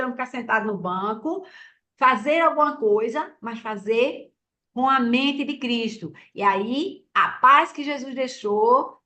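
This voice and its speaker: A woman's voice: fairly high pitch, pushed and bright. A woman preaching a sermon in a conversational, teaching way, often checking in with listeners by asking "né?". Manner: conversational, teaching, frequent "né?" tag questions.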